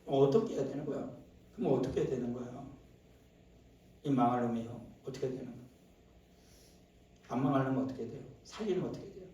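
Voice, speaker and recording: A male pastor preaching a Sunday sermon, swinging from low murmurs to loud, shouted exclamations and asking the congregation rhetorical questions. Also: quick pace, pauses often. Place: church sanctuary. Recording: very echoey church hall, mic at a distance.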